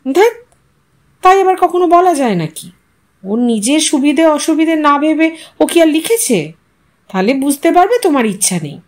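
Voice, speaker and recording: A woman voicing a sensible young wife who coaxes and gently teases her husband. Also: high-pitched, sing-song, moderate pace, long pauses. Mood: teasing. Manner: coaxing, light teasing.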